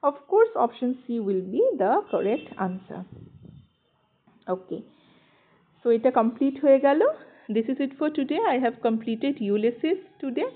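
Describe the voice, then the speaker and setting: A woman's voice: fairly high pitch, lively intonation. A woman teaching an English poem online with a Bengali accent, explaining patiently and often checking in with her students. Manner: explanatory, checks in with "ঠিক আছে" and "okay", reads English slowly. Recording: tinny phone-like sound.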